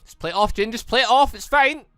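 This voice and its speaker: A man hosting a let's play, rambling excitably and thinking aloud in casual commentary. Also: very high voice, fast, smooth, dry recording. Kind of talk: casual game commentary with read-out dialogue. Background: faint music.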